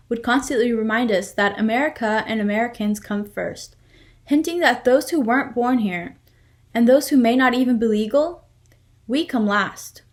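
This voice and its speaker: A young adult woman performing a scripted first-person monologue in a reader's theater style. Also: fairly high pitch.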